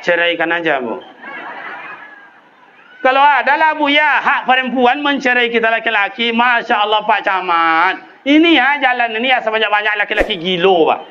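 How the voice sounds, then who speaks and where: A man preaching a sermon to a gathering, firing off rhetorical questions and leaping up high in pitch. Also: expressive, normal speed, pushed and bright, highs cut off, slight background noise.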